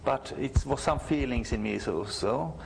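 A middle-aged Swedish man, a church musician, answering interview questions in halting, non-native English with a Swedish accent, often searching for words. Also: medium pitch, vocal fry, slight background noise, poor audio. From Sweden.

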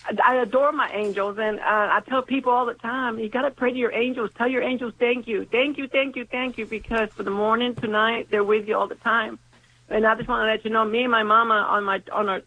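A congested woman with a sinus infection calls into a radio show over a tinny, narrow phone line. Her voice sits high for its weight and stays flat in tone, with a gravelly rasp. She tells her story earnestly and often repeats her words.

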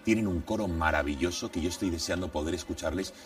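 A man's voice: deep voice, fast talker, distant mic, faint music behind. A man from Catalonia with a Catalan accent, hosting a talk show discussion and speaking in long, winding sentences. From Catalonia, Spain. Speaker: host.

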